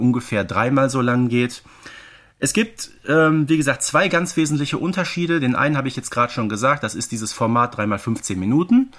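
A man's voice: mid-range voice, a bit bright. A middle-aged man co-hosting a podcast, discussing audio dramas casually in an explanatory way with tag questions and asides. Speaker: podcast co-host.

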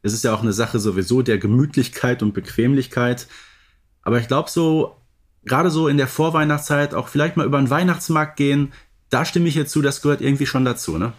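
A man's voice: mid-range voice, a little fast. A middle-aged man, chatting casually as a podcast co-host. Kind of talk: casual chat about audio drama episodes.

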